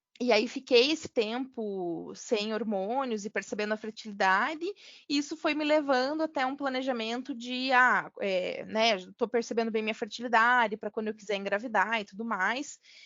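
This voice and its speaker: Barely pausing, a woman with an unremarkable speaking voice talks at a moderate pace, her fairly high pitch showing ordinary variation. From Brazil, Curitiba. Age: 30s. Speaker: podcast guest sharing birth story. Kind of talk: testimony.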